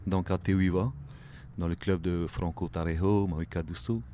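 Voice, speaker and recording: A man, talking casually as a guest on a radio show, filling pauses with "ben", "hein" and "voilà". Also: sits low, fairly even intonation, warm tone, a little hiss or hum. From Tahiti. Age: late 30s. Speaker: guest, outrigger canoe paddler. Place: radio studio.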